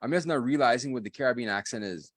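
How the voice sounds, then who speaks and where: A man's voice: medium pitch, fast, no echo, clean studio sound, soft background music. A man co-hosting a live podcast, chatting casually, laughing often and repeating "okay, okay.". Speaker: podcast co-host.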